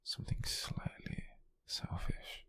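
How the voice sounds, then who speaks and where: A British man playing a gentle, doting wizard sweetheart in an intimate ASMR roleplay, speaking in a breathy, husky near-whisper with a tender, hesitant, teasing manner. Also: slow. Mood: tender, shy.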